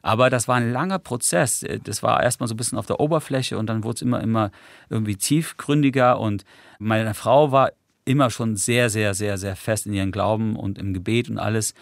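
A man's voice: fairly low pitch, a little fast, vocal fry, no echo. A man whose first language is English, a musician guest in a radio studio interview, talking reflectively and rambling with many tag questions.

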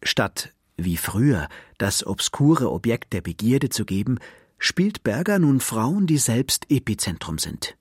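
A man narrating a television portrait in a measured, literary way. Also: medium pitch, breathy edge, no echo, studio quality. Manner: measured, expressive, literary phrasing. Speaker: documentary narrator. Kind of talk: scripted narration.

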